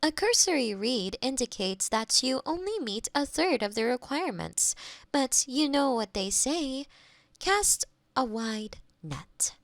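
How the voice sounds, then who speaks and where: Woman playing a slow, stilted AI girlfriend. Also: high-pitched, sing-song, dry recording, exaggerated voice. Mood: politely helpful. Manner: stilted, formal, precise robotic phrasing. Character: female AI girlfriend companion, polite, eager to please, malfunctioning. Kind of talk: scripted intimate roleplay audio. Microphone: close binaural microphone.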